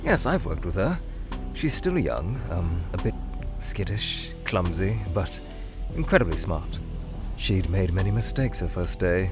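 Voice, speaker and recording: A man performs a formal, eccentric monster scientist who talks in a low register. His voice ranges widely, from hushed whispery musing to sudden panicked outbursts. Music plays clearly behind him. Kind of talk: fan-made ask-series voice acting.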